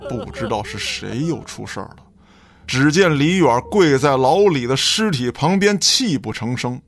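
A man's voice: medium pitch, expressive, moderate pace, vocal fry. A man narrating an audio drama from a script in a dramatic storytelling style.

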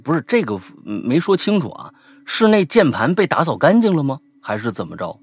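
A man co-hosting a casual podcast, reading out a listener's ghost story with lively asides and banter. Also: mid-range voice, fairly quick, breathy edge, no echo. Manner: lively, animated retelling with asides.

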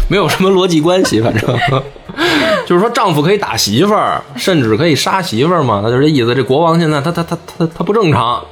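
A man retelling a folk tale comically, animated and laughing, slipping into character voices. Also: on the high side, brisk, crowd noise. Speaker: podcast storyteller.

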